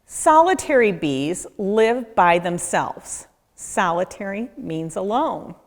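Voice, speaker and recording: A woman narrates a children's nature book at an unhurried pace. Her mid-pitched voice rises and falls animatedly, with deliberate pauses for young listeners. The room adds a long, echoing reverb. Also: sing-song. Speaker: nature educator reading a children's book aloud. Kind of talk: children's read-aloud narration.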